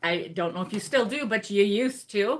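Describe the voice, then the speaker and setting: A woman with lively intonation. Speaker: online vintage seller. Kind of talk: live sale stream. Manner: casual chatty; halting.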